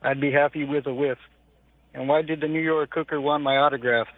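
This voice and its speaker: A man phoning in to a radio show as a reporter and telling one-liner jokes in a deadpan way. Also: a little high, a little fast, no room sound. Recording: tinny phone line.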